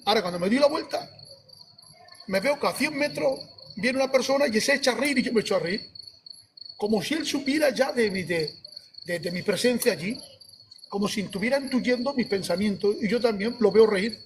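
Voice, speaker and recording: A man from giving a lively preaching testimony, acting out his own pleas as he tells the story. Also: high voice, brisk, slight background noise. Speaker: church brother giving testimony.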